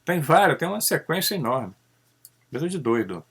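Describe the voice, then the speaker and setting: A man's voice: moderate pace, gravelly, husky. Chatty man musing aloud. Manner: conversational, tags sentences with "né?"; animated, pitch rising and dropping often. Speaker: channel host. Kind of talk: casual monologue on ufology.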